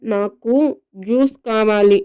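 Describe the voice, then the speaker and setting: A woman's voice: mid-range voice, steady tone, dark tone, clean tone, close to an everyday voice. A woman voicing a tipsy, pouting young wife. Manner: drawn-out, sing-song slurring.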